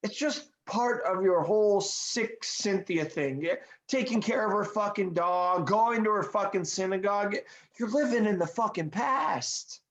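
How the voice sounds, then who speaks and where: A woman's voice: medium pitch, measured pace, few pauses, natural voice. A woman playing an exasperated male slacker in a table read, griping in profane slang. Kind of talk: virtual table read of a film script. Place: remote video call.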